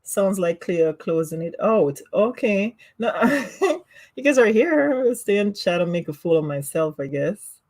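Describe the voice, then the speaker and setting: A woman with a Jamaican accent hosts a casual livestream, reading comments and chatting with viewers. Her medium-pitched, darkish voice is very animated yet unhurried. She's giggly, laughs often, and teases herself.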